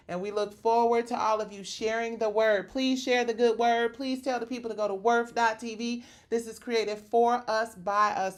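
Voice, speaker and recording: Low-voiced woman hosting, chatty sign-off. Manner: upbeat, chatty, addresses viewers directly. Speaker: show host and producer. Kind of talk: promotional wrap-up monologue.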